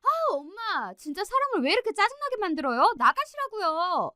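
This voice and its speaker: A woman's voice: high-pitched, sing-song, moderate pace, dry recording, studio quality, voice pushed up. A woman voicing an irritable teenage girl student who whines and snaps back. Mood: shouting fed up. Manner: whiny, snapping, exasperated.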